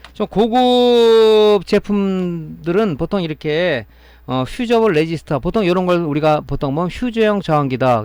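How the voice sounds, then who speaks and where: A man's voice: on the high side, dry recording. A man teaching electronics repair in a step-by-step classroom style, often checking with his listeners as he explains. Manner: explaining step by step, often adding a tag question to check understanding. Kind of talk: classroom-style technical lecture.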